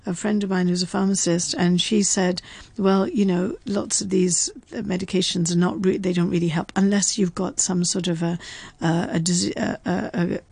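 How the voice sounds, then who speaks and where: A woman's voice: lowish voice, steady tone, normal speed, vocal fry, darkish tone, slightly rough, dry recording. A woman in casual chat, explaining facts as a radio presenter and laughing often. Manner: chatty, reads facts aloud, laughs often.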